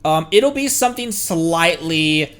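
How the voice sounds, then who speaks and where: A man's voice: fairly high pitch, lively intonation, slow, fairly bright tone. A man chatting casually on a livestream as the streamer, playful and rambling.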